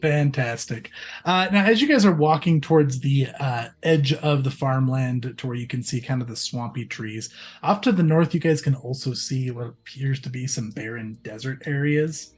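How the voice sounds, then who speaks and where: A man's voice: medium pitch, moderate pace, slightly rough. A man running a tabletop game as game master, describing scenes in a loose, chatty way with lots of fillers.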